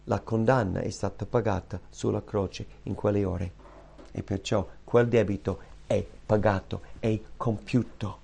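A man preaching a sermon with impassioned, repeated rhetorical questions that swing from loud high outbursts to hushed low tones. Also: steady tone, measured pace, creaky, husky. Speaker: pastor.

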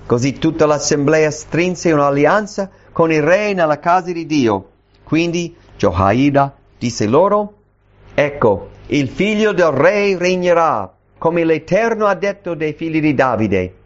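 A man's voice: on the high side, expressive, measured pace. A man preaching in Italian, reading Bible verses aloud and stopping to explain them plainly. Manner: reads scripture then explains it plainly. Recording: dull lo-fi recording.

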